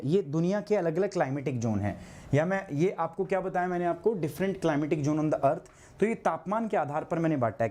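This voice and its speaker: A hoarse man teaching a live online geography class, asking his students questions and answering them himself, with English terms mixed in. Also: high voice, a little mellow. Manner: clears his throat often.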